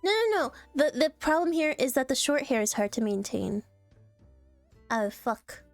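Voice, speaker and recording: A bubbly young woman with a high voice chats on a livestream, bouncing between jokes and laughter with animated energy. Her voice is dry and close, and faint music plays underneath. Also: moderate pace, no echo. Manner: playful, laughs often, jumpy and animated. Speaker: streamer. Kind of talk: casual livestream chat, reacting to posts.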